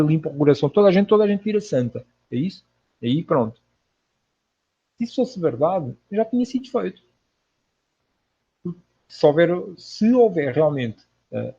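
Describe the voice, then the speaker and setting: Portuguese man, bright lo-fi livestream voice. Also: fairly high pitch, gravelly, slightly rough. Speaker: online spiritual lecturer, livestream host. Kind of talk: casual livestream talk answering viewers' comments. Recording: dull lo-fi livestream audio.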